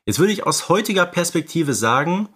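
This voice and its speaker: A man's voice: a little high, big pitch swings, a little fast, a bit bright, breathy edge. A young adult man co-hosting a podcast, casually explaining films and often checking for agreement with little tag questions. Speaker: podcast co-host. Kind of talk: casual film discussion.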